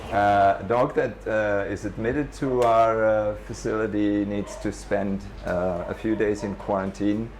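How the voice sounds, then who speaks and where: A man's voice: fairly low pitch, fairly even intonation, unhurried, hardly any pauses, a little mellow. A man guiding visitors around an animal rescue center, explaining hesitantly with many fillers. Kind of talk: walking tour explanation. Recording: noisy outdoor recording with barking dogs.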